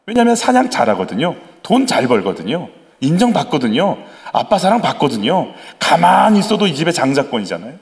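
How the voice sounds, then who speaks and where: A man preaching a sermon as the pastor of a church, asking the congregation questions and acting out voices. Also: mid-range voice. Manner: animated, acts out quoted voices; conversational, asks the congregation questions.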